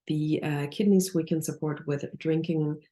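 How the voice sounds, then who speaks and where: A woman nutritionist talking through health advice in a relaxed podcast interview, pausing often and restarting her sentences. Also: deep voice. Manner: thoughtful, many restarts and fillers. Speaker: nutritionist guest.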